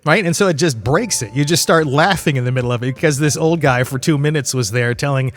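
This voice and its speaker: A man's voice: medium pitch, fast. A man hosting a solo podcast in a casual, rambling, conversational way. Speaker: podcast host.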